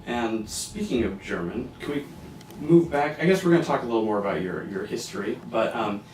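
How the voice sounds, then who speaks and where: A man's voice: on the low side, lively intonation, a little fast, a little mellow. Brief: male host, mid-range voice, casual and stumbling questions, roomy distant mic, faint background hiss. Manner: friendly, loose, stumbling over restarts. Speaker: interview host.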